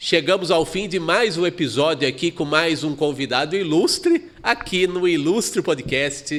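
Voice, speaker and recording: A man with a high voice speaks at a fairly slow pace. His intonation is lively. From São Paulo countryside, Brazil. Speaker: podcast host. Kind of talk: casual interview chat.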